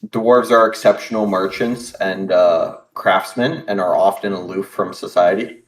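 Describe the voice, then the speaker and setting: A man's voice: low-pitched, a little slow, rough recording. A man chatting casually on a stream, giving opinions in a rambling way and fumbling for words. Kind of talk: casual chat.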